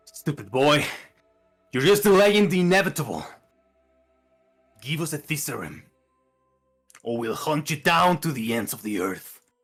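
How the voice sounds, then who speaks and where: A man's put-on character voice, growling and fairly high-pitched, at a moderate pace with long, frequent pauses and music in the background. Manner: menacing, growling.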